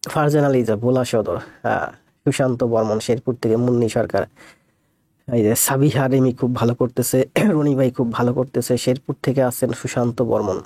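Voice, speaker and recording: A man with a cold, speaking slowly and softly as he greets viewers before his live math class. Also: medium pitch, steady tone, dry recording. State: has a cold. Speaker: math teacher.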